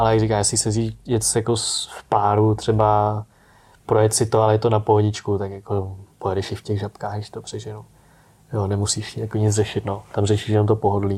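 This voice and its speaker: The voice is somewhat breathy with a dark, mellow tone and flat, monotone intonation. It moves at a very fast pace on a very clean recording with a silent background. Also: man, fairly low pitch for a man. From Czech Republic. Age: 30s. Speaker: motorbike tour organizer. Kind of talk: casual interview.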